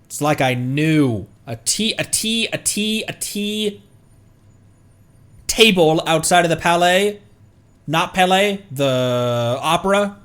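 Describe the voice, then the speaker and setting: A man's voice: fairly high pitch, lively intonation, slow, fairly bright tone, clean tone. A man streaming a game with casual, playful commentary, often stammering and repeating his words as he reacts.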